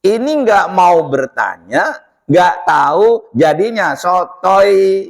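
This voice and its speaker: Lively older man teaching in a mosque. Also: high-pitched, takes it slowly. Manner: lively storytelling, acting out dialogue, laughing. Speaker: mosque teacher giving a dawn study class. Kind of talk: informal religious lesson with anecdotes.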